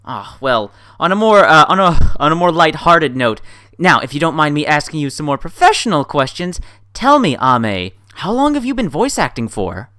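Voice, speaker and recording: A woman with a lowish voice asks interview questions. She speaks with a sympathetic tone and a lot of movement in her pitch. The sound is dry. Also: normal speed, no echo. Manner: sympathetic, expressive.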